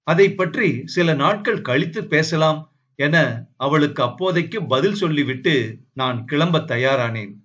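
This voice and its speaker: Male narrator, slow reading, slightly high voice, dull lo-fi sound. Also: lively intonation, a bit bright. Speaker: audiobook narrator. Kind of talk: slow first-person novel reading.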